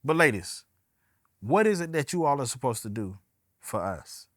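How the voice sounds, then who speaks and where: A man's voice: medium pitch, very animated, normal speed, no room sound, clean studio sound. A man from Alabama with a Southern Black American accent hosting a casual solo podcast, talking straight to listeners in a folksy way full of rhetorical questions. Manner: folksy, direct address with rhetorical questions and endearments like "baby". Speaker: podcast host.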